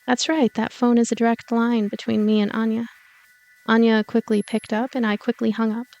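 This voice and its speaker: Higher-pitched woman narrating a story game. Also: flat delivery, normal speed, a little mellow, muffled recording. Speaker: let's player reading the game aloud. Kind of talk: voiced narration of a visual novel with character lines. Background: game music.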